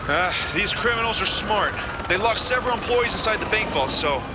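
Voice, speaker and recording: A man's voice: high voice, lively intonation, a little fast. A man playing a stressed, irritable police captain in an audio drama, speaking urgently. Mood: tense, urgent. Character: stressed, gruff-tempered police captain in a crisis. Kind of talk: fiction podcast acting. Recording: loud sirens and street noise. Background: police sirens, vehicles.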